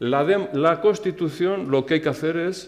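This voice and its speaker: A man speaks at a very slow pace with vocal fry. His pitch is fairly high. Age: 60s. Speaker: panel speaker. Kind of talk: panel debate. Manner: animated.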